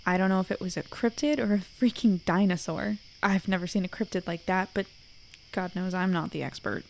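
A woman's voice: on the low side, a little fast, creaky. Actress as a wary woman over faint ambient noise. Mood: musing. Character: wary, frank young woman investigator, secretly human. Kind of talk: audio drama narration and dialogue.

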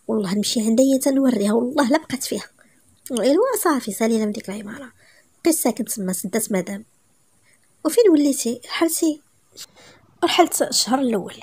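A woman with a Moroccan accent reading a romance story aloud, briskly voicing each character in turn. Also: a little high, darkish tone, slightly rough.

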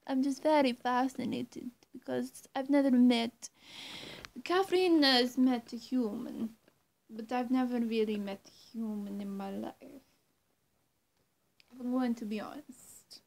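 Woman playing a high-voiced, coy female vampire. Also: fairly even intonation, gravelly, a little mellow. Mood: fascinated, apologetic. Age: young adult. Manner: coy, halting, cooing endearments. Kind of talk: ASMR-style roleplay addressed to the viewer. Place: small indoor room, seated on a bed. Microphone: camera or phone at arm's length.

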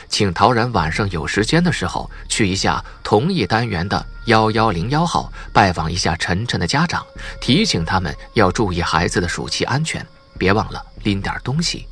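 A male audiobook narrator tells a story in a dramatic, scripted manner. His voice is somewhat husky and moves up and down expressively, with faint music behind it. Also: lowish voice, fairly bright tone.

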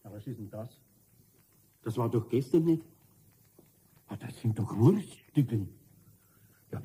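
An actor playing a grumpy, worried older master craftsman in a children's radio play, with a Bavarian accent and a rough, husky voice. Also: mid-range voice, dark tone.

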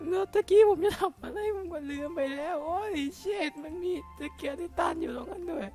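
A jumpy, excitable young game hero with a piercing, very high squeak. He talks his way through every step and blurts out yelps and curses whenever something startles him. Faint music plays underneath. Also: normal speed. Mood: excited. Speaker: game caster. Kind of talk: playing and narrating a block-building game in a put-on voice.

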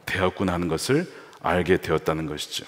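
A male pastor preaching a sermon with animated delivery, acting out the voices he quotes. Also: deep voice, fast. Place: large church sanctuary. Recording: reverberant church hall.

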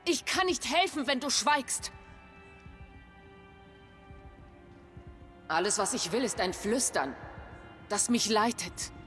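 A woman's voice: fairly high pitch, sing-song, unhurried, a bit bright, soft background music. A woman playing a devout middle-aged tribal shaman in a video game, speaking in grave, formal, dramatic phrases. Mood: anguished pleading.

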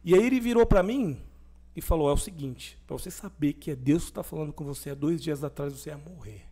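Man telling a lively faith testimony. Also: on the high side, quick pace. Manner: animated testimony, acting out quoted dialogue. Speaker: podcast guest. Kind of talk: conversational storytelling.

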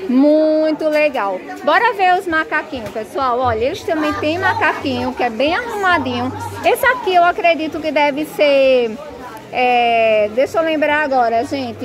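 A chatty northeastern woman with a high voice gushes over bargains as she films an open-air market on her phone. The crowd of shoppers is clearly heard behind her. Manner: gushing, chatty, repeats "minha gente". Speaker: shopping vlogger. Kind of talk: excited market walkthrough. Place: outdoor clothing market stalls. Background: busy market crowd.

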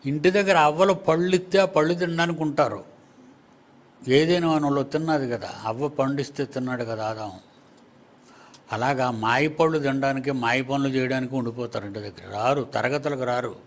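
A man's voice: mid-range voice, normal speed. A man preaching a sermon to his congregation, teasing the listeners with rhetorical questions.

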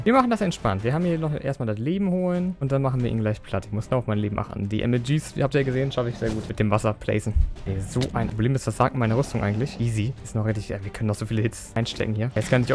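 Fast, gravelly young man commentating a game. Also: medium pitch. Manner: fast, jumpy, talks to the game and viewers, slangy. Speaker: Minecraft let's player. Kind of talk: excited gameplay commentary.

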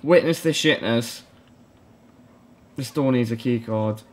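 A man's voice: mid-range voice, takes it slowly. A young man giving scared, reactive horror game commentary, nervously pleading and repeating himself, often with dry jokes. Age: young adult. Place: small home room.

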